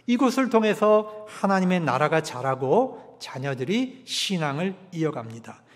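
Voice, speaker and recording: A male pastor preaching a sermon, emphatic, swinging from loud peaks to hushed drops. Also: high voice. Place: church sanctuary. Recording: long church hall reverb.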